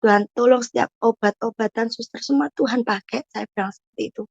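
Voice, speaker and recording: A woman's voice: on the high side, fast talker, gravelly, a little mellow, no echo, faint music behind. A woman giving an emotional personal testimony, earnest and repeatedly addressing her listeners. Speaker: testimony guest. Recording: muffled dull audio.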